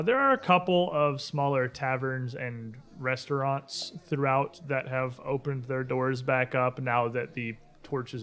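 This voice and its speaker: A man narrating a tabletop game as game master, describing scenes informally and off the cuff. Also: medium pitch. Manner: informal, descriptive, animated asides.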